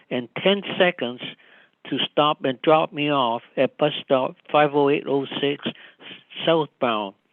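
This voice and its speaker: This man's fairly high voice drags along at a very slow pace. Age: 90s. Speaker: member of the public, transit rider. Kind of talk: public delegation statement.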